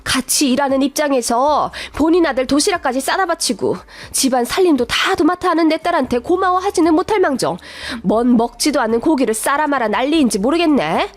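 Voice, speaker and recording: A hot-tempered middle-aged mother who rants indignantly in defense of her daughter, as a woman acts her out. Her voice is high and forceful. It is part of a radio story. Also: lively intonation, brisk, hardly any pauses. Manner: indignant, ranting.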